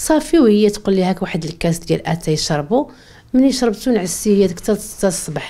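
This woman's speech moves at a fairly quick pace. She uses very wide pitch swings. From Morocco, Taza; Morocco. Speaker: former domestic worker. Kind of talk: testimony. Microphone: handheld.

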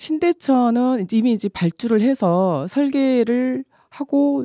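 With a dark, mellow tone and lively intonation, a woman speaks at a fairly high pitch in a dry sound with no echo. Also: quiet background. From South Korea, Suncheon (Jeolla); South Korea. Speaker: city council member. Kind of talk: radio debate.

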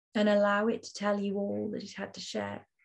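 A woman speaks in a calm, gentle tone, somewhat breathy, with monotone, flat intonation. Her pace is fairly slow and the background is quiet. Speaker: co-host, spiritual guide leading meditation. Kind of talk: guided meditation and conversational chat. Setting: video call, live online group session. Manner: calm, gentle, reflective. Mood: calm, solemn, meditative. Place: home room. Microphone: earbuds.

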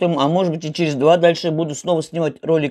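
A woman speaks with a very deep, low pitch and a dark, mellow tone at a fairly quick pace against a quiet background. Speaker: home vlogger. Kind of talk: casual vlog chat while eating. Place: home room. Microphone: lapel.

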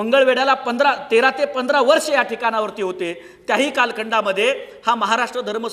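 A man projects a raised voice at an extremely high pitch with ordinary pitch variation, amid noticeable background noise. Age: 30s. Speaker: political speaker. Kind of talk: political speech. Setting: stage with audience.

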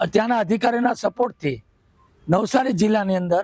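Recorded with a dry, close sound and no echo, a man speaks high with ordinary pitch variation. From Saurashtra, Gujarat (Mahuva, Bhavnagar). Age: 40s. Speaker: beekeeper. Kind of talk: interview.

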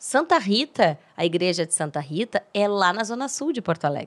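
Her tone animated, a woman speaks at a moderate pace with very wide pitch swings. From Rio Grande do Sul, Brazil. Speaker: journalist. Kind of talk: casual interview chat. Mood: lively, warm storytelling. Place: studio. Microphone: studio mic.

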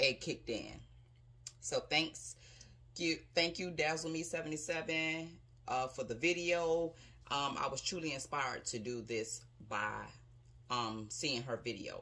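At a very slow pace with long, frequent pauses, a woman speaks in a very deep, low voice with a bright, sharp tone, lively intonation and vocal fry. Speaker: YouTuber reviewing handbags. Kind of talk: casual unboxing vlog. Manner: soft-spoken. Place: home room. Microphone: phone near.

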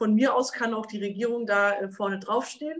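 A woman's fairly high voice with ordinary pitch variation over a quiet background. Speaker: member of parliament, climate policy spokesperson. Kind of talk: political statement. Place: office. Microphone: webcam.

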